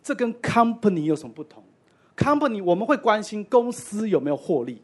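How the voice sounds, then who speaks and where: A man's voice: high-pitched, very animated, brisk. A man preaching a sermon as pastor, conversational with self-deprecating asides.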